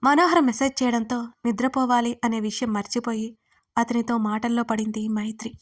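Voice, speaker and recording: A woman narrating an audio story in an expressive way, sometimes turning to the listeners directly. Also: a little high. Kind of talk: scripted narration.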